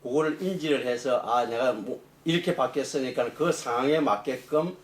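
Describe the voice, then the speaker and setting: A middle-aged man, a professor being interviewed, explaining technical matters off the cuff in a halting way. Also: mid-range voice. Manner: halting, explanatory, rephrasing as he goes. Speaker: engineering professor, interview guest. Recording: echoey room, distant mic, faint noise.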